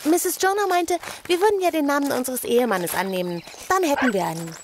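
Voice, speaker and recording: A woman's voice: sits high, lively intonation, fairly quick, slight background noise. A woman playing a cheeky, chatty orphan girl in an audio drama, with a childlike, curious and blunt manner. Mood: playful, curious.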